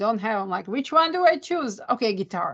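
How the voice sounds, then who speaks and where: Over a quiet background, a woman with a bright, sharp tone and fairly high pitch speaks at a moderate pace, her voice making very wide pitch swings. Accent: non-native. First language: not English. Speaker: workshop attendee. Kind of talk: casual discussion.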